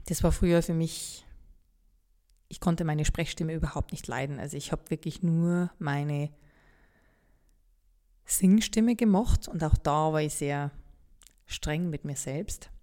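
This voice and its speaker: A young woman with a light Bavarian accent speaks in a low, warm, relaxed voice. She tells her own story candidly and reflectively on a podcast, often pausing with fillers and starting her sentences over. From Upper Palatinate, Bavaria. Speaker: podcast host.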